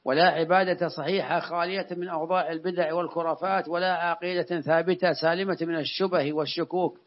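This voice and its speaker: Higher-voiced man preaching, dull lo-fi recording. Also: steady tone, quick pace. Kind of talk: formal sermon in classical Arabic, reciting scripture quotations.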